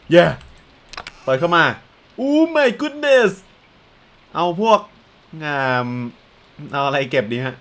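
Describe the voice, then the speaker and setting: A young man giving casual, chatty commentary while playing a farming game, often breaking into excited exclamations. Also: mid-range voice, a little hiss or hum. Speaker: let's play gamer.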